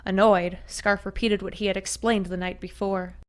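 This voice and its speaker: A woman narrating a first-person fantasy story in a steady, even storytelling manner. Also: mid-range voice, moderate pace.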